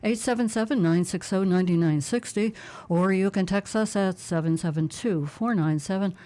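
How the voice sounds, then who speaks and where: A woman's voice: mid-range voice, moderate pace, mellow. A woman from Pittsburgh co-hosting a radio call-in show, reading out phone numbers and news in a friendly, chatty way. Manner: friendly, laughs easily. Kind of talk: casual call-in talk and announcements.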